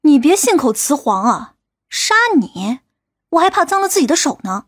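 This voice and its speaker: An actress playing a stern, haughty policewoman in an audiobook, sharp, commanding and husky. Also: sits high, big pitch swings, moderate pace, dry recording, studio quality. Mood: angry, scornful. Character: stern, haughty police team leader woman, easily angered.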